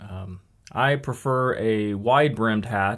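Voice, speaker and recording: Ordinary pitch variation comes through clearly, and the background is quiet. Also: man. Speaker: outdoor trip gear instructor. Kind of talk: tutorial. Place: studio.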